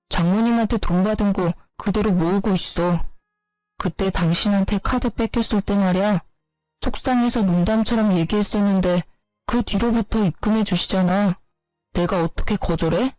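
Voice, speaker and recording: A woman's voice: mid-range voice, moderate pace, a little mellow, dry recording, soft background music, lightly acted, poor audio. Woman reading as evasive young husband. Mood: defensive. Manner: defensive, brushing off accusations.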